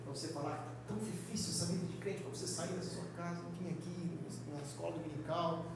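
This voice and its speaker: A young man with a Brazilian Portuguese accent teaching a Sunday school sermon in a lively, joking, conversational way. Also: on the high side, a little fast, roomy sound, noisy background. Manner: lively, joking, conversational preaching with quoted voices. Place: church hall.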